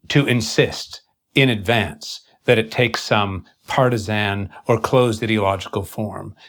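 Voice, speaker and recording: Low-voiced man, deliberate and halting. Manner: deliberate, halting, formal wording in broken phrases. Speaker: interviewer. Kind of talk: intellectual interview conversation.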